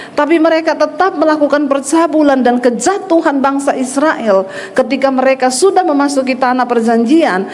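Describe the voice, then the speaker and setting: Middle-aged woman pastor, forceful storyteller, slightly high voice, long hall reverb. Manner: animated, acts out quoted voices, blunt and forceful. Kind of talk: sermon with storytelling.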